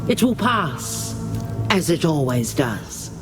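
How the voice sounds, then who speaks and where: An actor playing a solemn, reverent tribal herald, formal and ceremonial, in a fantasy video game. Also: male voice, on the high side, sing-song, slow pace, over loud music. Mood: grave.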